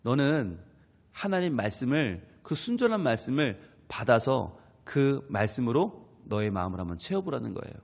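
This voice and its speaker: A male pastor delivering an early-morning sermon, animated and expressive, voicing a doubter and a believer in turn as he explains the scripture. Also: medium pitch, moderate pace, gravelly, big-room sound. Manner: animated preaching, acting out skeptic and believer voices. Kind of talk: dawn prayer sermon. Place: church sanctuary.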